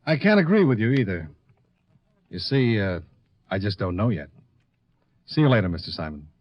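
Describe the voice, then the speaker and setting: An actor playing a wry American insurance investigator in an old radio detective serial, with dry, clipped questioning and narration. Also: male voice, lowish voice, very animated, moderate pace, a little hiss or hum. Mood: probing, dry. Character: wry, probing male insurance investigator narrating his case. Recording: dull, lo-fi old radio recording.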